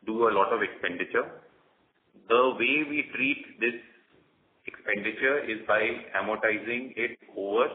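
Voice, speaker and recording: Echoey phone-line Indian executive, formal. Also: male voice, fairly low pitch, a little hiss or hum. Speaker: company executive presenting results. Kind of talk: prepared earnings call presentation. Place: conference call.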